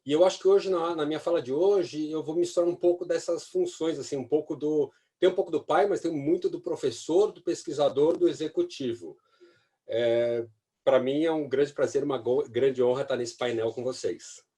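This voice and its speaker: A middle-aged man, a professor and marketing executive, introducing himself on an online panel in an animated way with light jokes. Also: fairly high pitch, normal speed. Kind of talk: self-introduction on a webinar panel. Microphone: video call.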